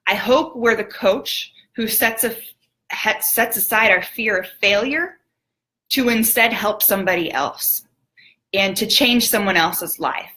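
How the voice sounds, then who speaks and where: Bright-voiced woman telling a motivational story. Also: mid-range voice, unhurried, rough recording. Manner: animated storyteller who acts out quotes; earnest, direct appeals to the audience. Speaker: motivational speaker.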